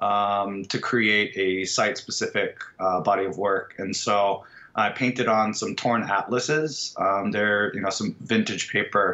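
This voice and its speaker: This man's pitch is fairly low and his intonation fairly even. He speaks at a fairly slow pace. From Michigan, US (Ann Arbor/Detroit area). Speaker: artist. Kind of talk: TV interview. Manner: halting, many fillers.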